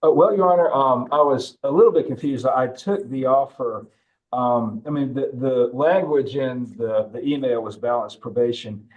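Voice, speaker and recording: A man's voice: medium pitch, normal speed, muffled recording. A man speaking as a defense attorney in court, making his points formally in a hesitant, deferential way.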